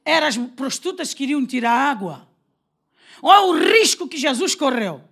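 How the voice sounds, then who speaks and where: Animated Brazilian woman preaching. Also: high-pitched, moderate pace. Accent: Brazilian Portuguese. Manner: animated, acts out quoted dialogue, laughs often. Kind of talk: lively sermon with storytelling.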